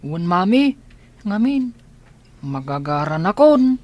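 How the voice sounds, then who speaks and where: A woman voicing a blind young man in an audio drama, asking soft, curious questions. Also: on the low side, very animated, slow pace, lo-fi sound. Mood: gentle. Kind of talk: radio drama acting.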